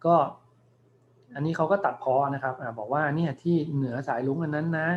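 A male university lecturer giving a recorded class, explaining patiently and reading English words slowly for his students. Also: fairly high pitch, lo-fi sound, a little hiss or hum. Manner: explains patiently, thinking aloud with many polite particles.

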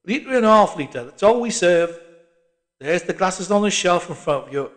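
A man's voice: sits high, animated, normal speed, a bit bright, voice pushed up. A man voicing a curt, dismissive barman in an audiobook. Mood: scornful. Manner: short and dismissive. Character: curt, scornful male barman. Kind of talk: audiobook character voice.

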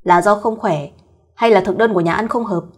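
A woman's voice: mid-range voice, brisk, breathy edge, lightly acted. A woman voicing a bossy, curt young male company boss with a caring streak, in a fireside storyteller's audio tale. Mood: teasing, concerned. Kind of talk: acted dialogue in an audio story.

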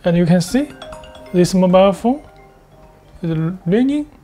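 A man demonstrates a product step by step in halting English. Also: high-pitched, animated, dark tone, faint music behind. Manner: step-by-step, halting non-native English phrasing. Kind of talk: screen-share tutorial with live demonstration.

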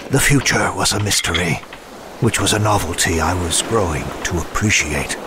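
Man playing a deep, solemn ancient immortal. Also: natural voice. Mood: melancholy, reflective. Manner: formal, measured, pensive. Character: solemn, reflective, centuries-old male immortal attendant. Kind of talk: scripted audio drama monologue. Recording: clear background noise under voice.

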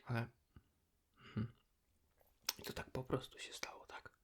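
A man whispers softly and intimately, in an unhurried ASMR chat as if to a friend. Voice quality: soft breathy whisper. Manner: hushed, intimate, unhurried, addressing the listener as a friend. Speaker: ASMR creator, host.

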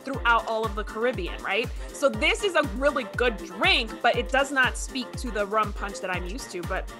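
A woman in her thirties from Ecuador, a native Spanish speaker with a slight accent, hosting a casual video-call chat in an upbeat, animated way. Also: fairly high pitch, normal speed, over music. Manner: bubbly, animated, laughs often. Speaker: host. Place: home studio with shelves.

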